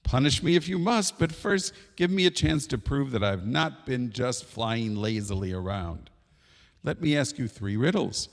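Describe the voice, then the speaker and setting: A man's voice: animated, moderate pace, lightly acted. A man voicing a small, clever storybook bird that pleads humbly and politely, in an echoey hall. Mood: earnest bargaining. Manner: pleading, courteous, higher voice. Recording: echoey hall with long reverb.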